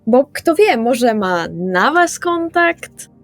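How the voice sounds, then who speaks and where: Higher-voiced woman at a role-playing table. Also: very animated, takes it slowly, no room sound. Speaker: player in a role-playing session. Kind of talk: casual in-character table talk. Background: background music.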